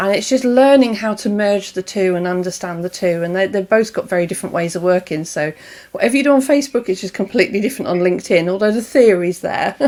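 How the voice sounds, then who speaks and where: With an East Anglian accent, a woman speaks at a very fast pace with hardly any pauses. Her medium pitch shows ordinary variation. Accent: British with some Norfolk. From southern and eastern England (Kent, Norfolk). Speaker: live show host. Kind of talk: casual interview chat. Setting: Facebook Live video call.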